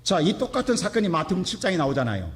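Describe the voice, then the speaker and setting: A male pastor preaching a Sunday sermon emphatically, swinging between loud outbursts and hushed asides. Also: sits high, sing-song, very fast. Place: church sanctuary.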